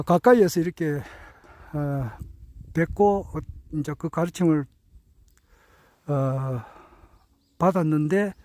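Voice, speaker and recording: A man in his sixties giving a reflective spoken talk, earnest and hesitant, with many drawn-out fillers and self-corrections. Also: high-pitched, darkish tone, no room sound, rough recording. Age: 60s. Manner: earnest, self-correcting while counting out years. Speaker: speaker sharing reflections on his teachers.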